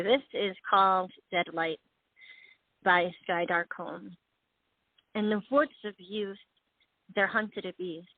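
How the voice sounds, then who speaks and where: A woman caller comes through a thin, tinny phone line held to her ear. Her voice is dry with no room around it. She laughs easily and reads her poem aloud at an even pace, in a mid-range voice. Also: medium pitch, no room sound. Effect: heard over a phone line.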